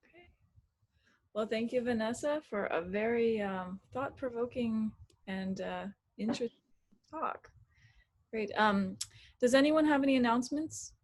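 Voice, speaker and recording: A woman's voice: a little high, a little slow, long pauses. A woman moderator asking a curious, chatty question and hosting announcements. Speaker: session moderator. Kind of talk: casual discussion and hosting.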